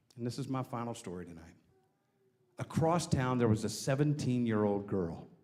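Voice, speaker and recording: Audible room echo follows a man speaking at a moderate pace and medium pitch with lively intonation. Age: 50s. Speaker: guest preacher. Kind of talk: sermon.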